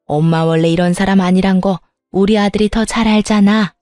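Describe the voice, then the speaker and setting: A woman's voice: medium pitch, steady tone, brisk, a little mellow, no echo, studio quality, faint music behind, lightly acted. A woman voicing a selfish older mother-in-law who talks defensively and stammers when pressed, in a read-aloud story. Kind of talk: storybook dialogue reading.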